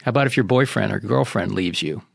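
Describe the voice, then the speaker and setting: A man's voice: on the low side, animated, fast, vocal fry, slightly rough, dry recording, studio quality. A man with an American accent hosting a Christian radio talk show, addressing listeners directly in an emphatic, preacherly monologue with rhetorical questions.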